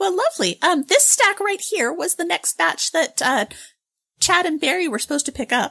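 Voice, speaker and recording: Using a put-on character voice, a woman speaks at a moderate pace in an extremely high, squeaky pitch with very wide pitch swings. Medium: actual play. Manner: polite, meek.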